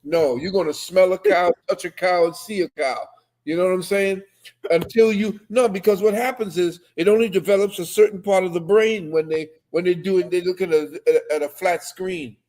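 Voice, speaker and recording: A man's voice: high-pitched, fairly even intonation, moderate pace, darkish tone. An older man who grew up in Trinidad, telling stories and lecturing with conviction on a casual video call. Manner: emphatic storyteller, lectures with conviction. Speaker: co-host. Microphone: webcam on video call.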